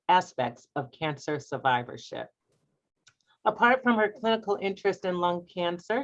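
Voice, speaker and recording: A woman hosting a closing ceremony, reading thanks and an introduction from a prepared script. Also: low voice. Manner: formal, read from a prepared script. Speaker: program host. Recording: dull lo-fi sound.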